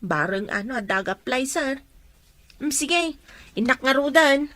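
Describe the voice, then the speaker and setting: A woman playing a humble, hard-up mother and household helper in a radio drama, gentle and deferential. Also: high-pitched, animated, measured pace, no echo. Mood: deferential, eager.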